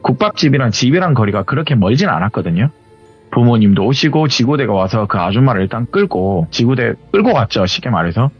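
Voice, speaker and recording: A man hosting a horror story show, retelling a listener's story in an animated, conversational way. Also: medium pitch, fairly quick, husky. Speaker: horror story radio host. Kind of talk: storytelling narration. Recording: slightly dull audio with faint music.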